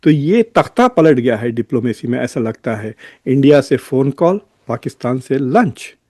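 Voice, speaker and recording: A man's voice: mid-range voice, lively intonation, moderate pace, a little mellow, no room sound, clean studio sound. A man with an Indian accent giving informal political commentary as host, switching often between two languages as he addresses his viewers. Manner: code-switches between Hindi and English.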